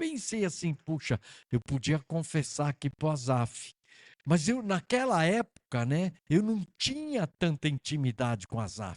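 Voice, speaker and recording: A man speaks at a high pitch and a fairly slow pace. The sound is dry and close with no echo, and the background is quiet. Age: 70s. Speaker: pastor. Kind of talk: sermon.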